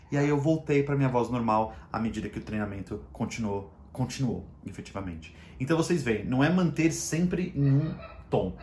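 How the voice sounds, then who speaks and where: A Brazilian man with a Brazilian Portuguese accent gives a casual online lesson on communication, raising and lowering his voice to make his points. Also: a little mellow, reverberant, slight background noise. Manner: shifts volume and pitch to show emphasis. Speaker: communication trainer.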